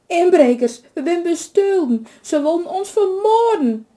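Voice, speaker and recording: A woman's voice: lively intonation, a little slow. A woman doing a frantic, wailing old village woman. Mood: panicked. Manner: high, loud, tearful pleading.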